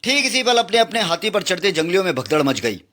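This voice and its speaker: A man's voice: high-pitched, sing-song, quick pace, bright, forceful tone. A man reading a comic book aloud with dramatic, exclamatory narration.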